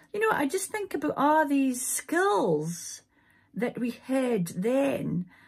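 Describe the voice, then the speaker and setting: Very slowly, a woman talks at a high pitch with very wide pitch swings. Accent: northeast Scottish. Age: 60s. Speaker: interviewer, former farmer. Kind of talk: interview.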